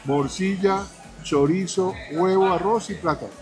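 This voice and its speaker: High-voiced man explaining dishes. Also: a little slow, over music. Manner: lists ingredients plainly and directs tasting. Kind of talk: explaining food. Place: restaurant.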